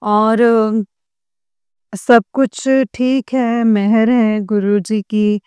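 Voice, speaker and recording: Slow, halting older woman giving testimony. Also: fairly high pitch, little pitch movement, dark tone, smooth, no room sound. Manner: halting, with frequent pauses and respectful address to the congregation. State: weak after a fever. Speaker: devotee sharing a testimony. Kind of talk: devotional personal testimony.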